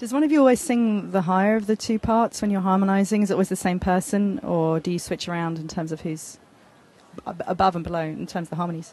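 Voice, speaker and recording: Somewhat breathy with a dark, mellow tone, a woman talks at a very fast pace in a medium pitch with ordinary pitch variation. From England, Canterbury. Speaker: radio host. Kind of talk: interview. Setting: outdoors.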